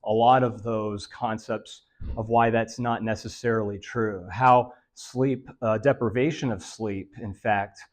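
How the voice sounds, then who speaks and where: A man presenting a health lecture to seniors in a meeting room, his voice raspy and nasal and a bit dry from allergies, talking in a monotone with many fillers. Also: lowish voice. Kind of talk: live lecture to a senior audience.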